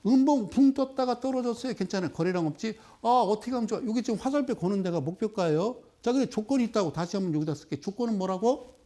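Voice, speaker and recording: In a televised investment lecture on stocks, an animated man with a high voice speaks straight to his viewers, peppering them with rhetorical questions. He shifts into slow, stretched-out explaining as he points at a chart.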